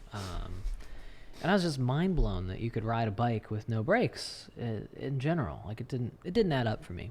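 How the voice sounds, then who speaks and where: With an American accent, a man talks at a moderate pace in a medium pitch, his intonation lively. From New York City (Manhattan). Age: 20s. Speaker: cyclist and videographer. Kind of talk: casual interview chat.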